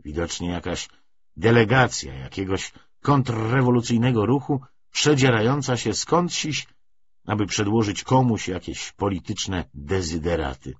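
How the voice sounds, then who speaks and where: A man reading literary narration for an audiobook in an expressive, measured storytelling way. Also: fairly low pitch, husky. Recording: dull, muffled lo-fi recording.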